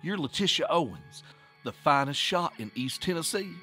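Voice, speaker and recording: Man as a steady, protective woman. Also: on the high side, soft background music, pitched above the performer's own voice. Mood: encouraging, teasing. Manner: calm, measured, crooning reassurance. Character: protective, steady Southern woman, tender soothing witch.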